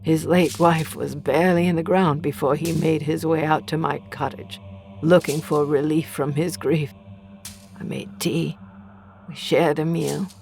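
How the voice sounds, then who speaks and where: Gravelly, bitter accused witch. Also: low voice, steady tone, a little slow, darkish tone. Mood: bitter, hushed. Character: accused village witch, bitter defiant childless female healer. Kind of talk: dramatic first-person horror narration. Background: faint music.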